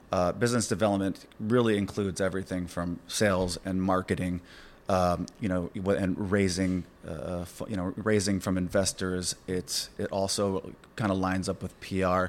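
A man's very deep, low pitch, monotone and flat, at a moderate pace. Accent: Californian. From Los Angeles (Whittier, East LA County). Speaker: startup business development consultant. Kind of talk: podcast interview. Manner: halting with frequent repeated words.

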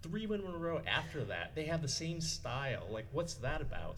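An American-accented man talks at a fairly quick pace over noticeable background noise. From New York. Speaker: guest. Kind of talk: casual interview chat.

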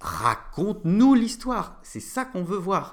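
The speaker is a man. His voice carries vocal fry. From western France, Nantes. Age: 40s. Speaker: book publisher and consultant. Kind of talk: casual interview. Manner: hesitant, many fillers.

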